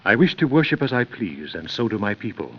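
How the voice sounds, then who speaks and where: A steadfast Quaker, low voice. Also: male voice, sing-song, fairly quick, husky. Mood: firm, earnest. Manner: earnest, firm, plain speech. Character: calm, steadfast Quaker man, plain-spoken. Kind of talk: 1930s radio drama acting. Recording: dull lo-fi old radio transcription with faint hiss.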